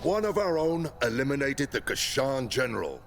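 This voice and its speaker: A man's voice: medium pitch, sing-song, normal speed, creaky. A man playing a proud, commanding older warrior leader in a video game, weighty and authoritative. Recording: music behind the voice.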